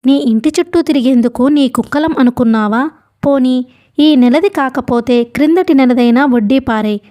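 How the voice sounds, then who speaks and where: A woman voicing a coarse, bullying male loan collector who shouts rudely, in a storybook reading. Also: sits high, normal speed, close to an everyday voice. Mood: rough, scornful. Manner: loud, rude, shouting.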